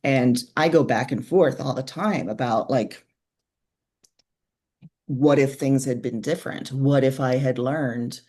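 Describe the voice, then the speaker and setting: A woman's voice: very deep voice, measured pace, a little mellow. A woman in her forties talks as a guest author in a candid interview. Her delivery is reflective and frank, like someone thinking aloud in conversation. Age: 40s.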